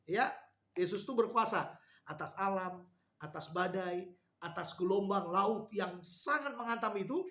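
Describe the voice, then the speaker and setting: A man preaching a sermon to a women's fellowship, explaining Bible passages and acting out quoted lines with lively repetition. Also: high-pitched, measured pace. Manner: animated, repeats key phrases, acts out quoted lines.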